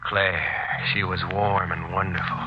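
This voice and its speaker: A man's voice: low-pitched, level tone, a little slow. A man playing a guilt-ridden, anxious accomplice who tells his story with tense, brooding melodrama in an old radio horror play. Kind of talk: 1940s radio horror narration and acting. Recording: muffled, very noisy old radio recording.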